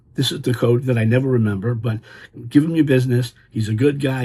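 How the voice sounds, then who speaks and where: With a dark, mellow tone and some breathiness, a man speaks with fairly even intonation. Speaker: documentary filmmaker and video host. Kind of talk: casual vlog talk with sponsor plugs. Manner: fast; halting, many repeated words and fillers.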